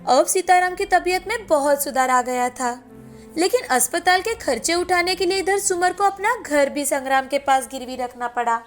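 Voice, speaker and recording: A woman narrating a scripted cartoon story in a steady, clear storytelling way. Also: sits high, normal speed, soft background music.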